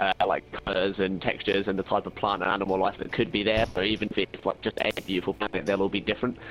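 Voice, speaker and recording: With music in the background, a man with an English accent talks very fast at a fairly low pitch, his intonation monotone and flat. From England, Northamptonshire. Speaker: gaming youtuber. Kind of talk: casual interview. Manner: hesitant, many fillers.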